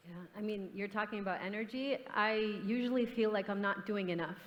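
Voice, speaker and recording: A woman's voice: mid-range voice, brisk, muffled recording. A young woman artist speaks at a forum panel, earnest and impassioned. Her voice sits in a middle register and rings with a long reverb from a big conference hall. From grew up in the US and Canada. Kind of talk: panel discussion answer. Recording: hall reverb, stage mic.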